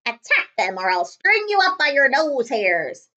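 Storybook mad scientist, male played by a woman: bossy, vengeful, high and swooping delivery. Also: sing-song, a little slow, sharp tone, muffled recording, exaggerated voice. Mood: threatening. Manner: theatrical, threatening commands.

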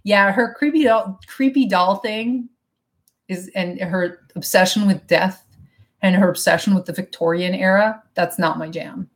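A woman's voice: medium pitch, a little slow. A woman in her thirties chatting frankly and casually with her live viewers, swearing now and then, recorded on a webcam mic in her apartment living room. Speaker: vlogger answering live chat. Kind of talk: casual live-stream chat. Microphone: webcam mic at desk.

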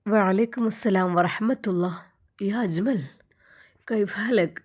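A woman's voice: medium pitch, takes it slowly, a little mellow. A woman voicing a kind, devout older Arab woman who prays, pleads and comforts in a motherly way.

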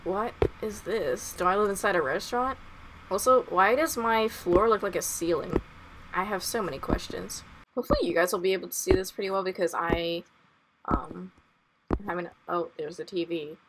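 A woman's voice: lowish voice, normal speed, noisy background. A young woman on a headset mic, playing a horror game and commenting nervously, laughing and asking questions. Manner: nervous, giggly, full of questions. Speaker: gaming streamer.

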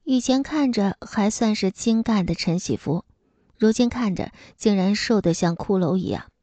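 A woman narrating a novel as an audiobook in a steady storytelling manner. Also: mid-range voice, moderate pace, no echo.

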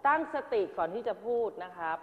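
Giving one blunt, corrective note after another, a woman teaches acting to her drama students. Her medium-pitched voice is expressive and fairly quick. The large hall adds a long reverb tail, and the audio comes across as somewhat muffled and dull.

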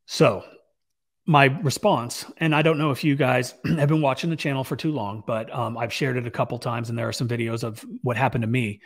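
A raspy-voiced man, a business owner who vlogs, tells stories casually to camera in an indoor home office with shelves, speaking into a large podcast mic on a boom arm. His mid-range voice is steady and brisk, and he talks conversationally with many fillers and restarts, gesturing as he goes.

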